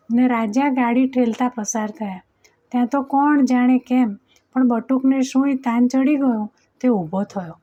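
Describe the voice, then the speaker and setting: A woman narrating a storybook chapter aloud, slowing down to voice the characters in the dialogue. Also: fairly high pitch. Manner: slows down and voices characters in quoted lines. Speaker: audiobook narrator. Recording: dull lo-fi recording.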